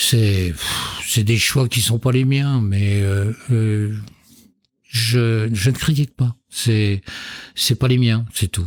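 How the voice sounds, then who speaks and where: A man speaks at medium pitch with fairly even intonation. His pace is very slow, with long, frequent pauses. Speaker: retired insurance broker. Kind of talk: interview. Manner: hesitant.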